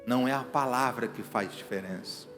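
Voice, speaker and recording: A middle-aged man, preaching an evangelical sermon in emphatic bursts that swing between hushed and loud. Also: medium pitch, moderate pace. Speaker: pastor. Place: church sanctuary. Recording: reverberant hall with faint music behind.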